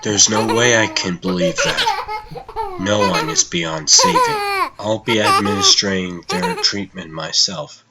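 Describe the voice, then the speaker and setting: Man playing an earnest, low-voiced superhero. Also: wildly swooping pitch, unhurried, very noisy. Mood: resolute. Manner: earnest, reassuring. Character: earnest, caring, hopeful male superhero Superman. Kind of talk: dramatic comic dub acting.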